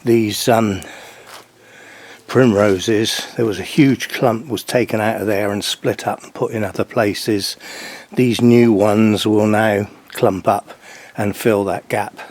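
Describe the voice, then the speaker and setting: An older man hosting a gardening channel, walking along a garden border and explaining plainly, with pauses. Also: lowish voice, fairly even intonation, darkish tone. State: out of breath. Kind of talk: casual garden walk-through.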